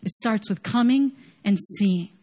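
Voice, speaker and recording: A woman's voice: mid-range voice, a little slow, dark tone. A young woman from Chile giving an earnest, conversational sermon, often dropping in casual fillers as she talks. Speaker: worship leader preaching.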